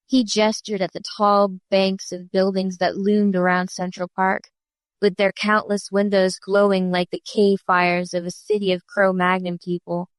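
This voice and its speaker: A woman with a mid-range voice reads a classic short story clearly and evenly. She gives the characters a light touch of voicing. The sound is dry and close. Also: mid-range voice, little pitch movement, a little slow, no room sound. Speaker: audiobook reader. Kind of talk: scripted narration of a classic story.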